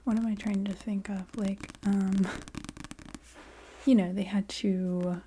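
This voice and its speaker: Soft-spoken ASMR woman slipping into whispers. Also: mid-range voice, steady tone, slow pace, noisy background. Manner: soft speaking that often drops into a whisper. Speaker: ASMR video creator. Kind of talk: soft-spoken ASMR, casual rambling chat.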